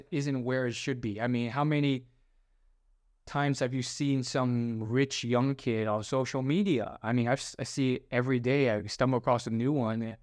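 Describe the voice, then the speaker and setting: A young man with a middle-range voice gives casual motivational advice and often stops to restart his sentences. The sound is dry and close, with no room echo. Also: mid-range voice. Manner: rambling, many fillers and restarts. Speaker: self-help video host.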